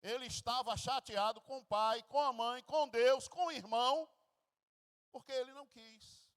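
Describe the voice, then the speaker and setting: A Brazilian pastor preaching, his voice pitched high for a man. He acts out the stories, swinging from near-whispers to loud cries. The sound is dry and close, with no room echo. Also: steady tone, moderate pace, clean tone. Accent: Brazilian Portuguese. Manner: dramatic storytelling, acting out scenes with sudden loud bursts and hushed passages. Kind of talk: sermon.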